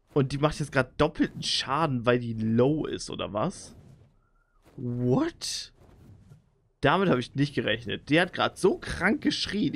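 A young man giving excitable, slangy commentary while playing a video game as a channel host. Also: medium pitch, vocal fry, slight background noise. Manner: excitable, slangy, frequent exclamations. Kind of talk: let's play commentary.

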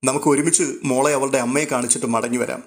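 A man's voice: mid-range voice, fairly even intonation, quick pace, natural voice. A man voicing a caring young woman who pleads earnestly and persuasively, as in a storybook read aloud. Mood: pleading.

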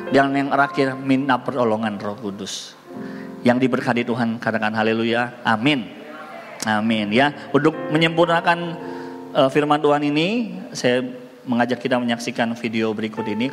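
A man's voice: mid-range voice, in a large hall. A man preaching a sermon in church, exhorting the congregation with call-and-response.

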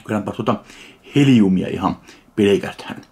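A man from Finland tasting and reviewing a ready meal in slow, dry, deadpan remarks. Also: lowish voice, creaky. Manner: slow, dry, deadpan commentary between bites. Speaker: food reviewer. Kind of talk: casual food tasting review.

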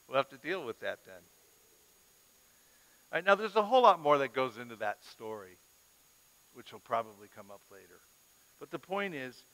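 A middle-aged male pastor giving a parenting lecture to a live audience, an animated storyteller who acts out scenes. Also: medium pitch. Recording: long reverb of a large hall.

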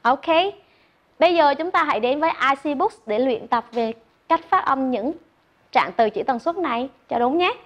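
A woman teaching English online, encouraging, repeating words slowly for learners, recorded close to the mic. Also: high voice, animated. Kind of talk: online classroom lesson.

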